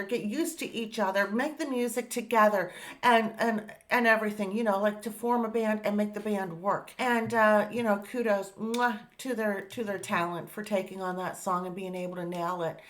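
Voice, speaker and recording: A woman, hosting a casual music reaction video in an upbeat, chatty way with many fillers. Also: a little high. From Canada.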